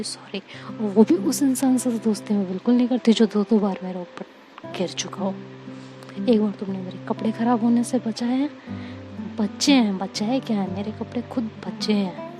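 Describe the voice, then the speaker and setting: A woman voicing Anika, a sharp-tongued young woman who is quick to argue. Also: medium pitch, lightly acted.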